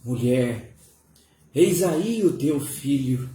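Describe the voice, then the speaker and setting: A woman voicing a solemn, gentle male teacher in his last hours, speaking in a slow, grave, hushed way. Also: extremely low pitch, animated, voice pushed down, exaggerated voice. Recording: roomy echo.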